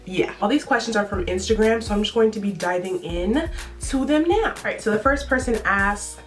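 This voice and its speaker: A woman's voice: mid-range voice, brisk, soft background music. A young woman chatting casually on camera at home, talking loose and slangy while eating, recorded on a tripod camera. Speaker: vlogger. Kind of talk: casual mukbang chat.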